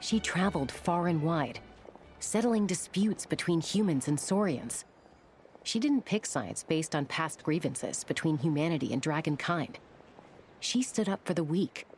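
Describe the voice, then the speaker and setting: An actress playing a steady tribal woman in a video game, recounting her people's legend in a grounded way. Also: low-pitched, slight background noise. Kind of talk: video game dialogue, storytelling.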